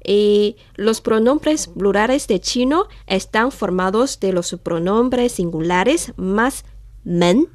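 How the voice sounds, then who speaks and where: Slow, patient woman teaching Chinese. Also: medium pitch, animated, no room sound, clean studio sound. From China. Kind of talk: language lesson, modelling words to repeat.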